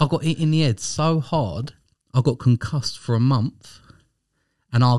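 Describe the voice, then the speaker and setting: A man at medium pitch speaks at a moderate pace with ordinary pitch variation. His voice is somewhat breathy over a quiet background. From East London. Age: 30s. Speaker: London cab driver. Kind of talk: casual interview chat.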